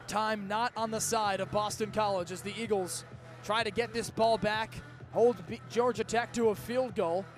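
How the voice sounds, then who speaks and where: A young American man delivers live football commentary as the play-by-play announcer. His voice sits extremely high for a man and his delivery is emphatic and dramatic. A clearly audible stadium sound bed runs behind him. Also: steady tone, moderate pace, over music. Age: young adult.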